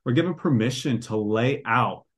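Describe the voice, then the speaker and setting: A man's voice: medium pitch, moderate pace. A man who is a guest author on a podcast, explaining his ideas in an earnest, preacher-like way. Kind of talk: conversational podcast interview.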